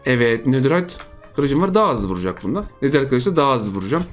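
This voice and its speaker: A man giving casual, excitable commentary over his own video game, often repeating words in quick bursts. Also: mid-range voice, faint music behind. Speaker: gaming YouTuber.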